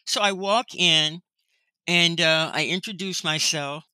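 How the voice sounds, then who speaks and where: An older woman in her sixties recounts her career with lively, storytelling energy, often laughing and acting out what others said. Her voice is strikingly bright and forceful. The sound is dry, with no room echo. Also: lowish voice, takes it slowly. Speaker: lighting designer and professor, guest. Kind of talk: interview, telling stories from her career.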